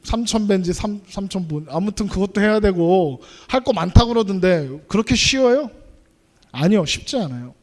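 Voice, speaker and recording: A man's voice: sits high, animated, normal speed. A young adult man preaching a youth sermon in a conversational way, often putting questions to his listeners. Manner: conversational, asks the audience questions.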